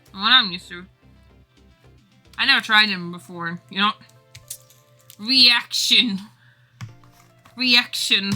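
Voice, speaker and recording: A woman who livestreams and develops games chats casually with her viewers, rambling and exclaiming as she goes. Her voice is mid-range with a sharp tone.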